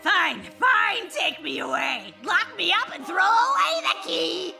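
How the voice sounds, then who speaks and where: A woman playing a sneering old preacher woman turned demon in a horror audio drama, taunting and sermonizing in drawn-out phrases. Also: extremely high pitch, very animated, creaky, pushed and bright, full character voice. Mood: defiant, fervent. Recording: music under the voice.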